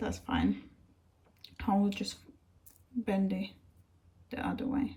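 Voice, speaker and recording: A woman with a non-native accent at a very slow pace. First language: not English. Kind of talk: tutorial. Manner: casual, slightly halting.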